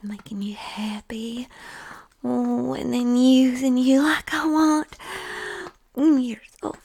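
A woman in an intimate adult audio roleplay, speaking in a breathy, often whispered voice with a sensual, coaxing delivery. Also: a little high, level tone, takes it slowly, a little mellow. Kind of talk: erotic audio roleplay, intimate address to listener.

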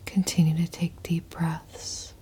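Low slow whisper from a woman, super breathy, soft and mellow, asmr roleplay vibe. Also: little pitch movement. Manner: slow, hushed, intimate whispering. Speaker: audio performer.

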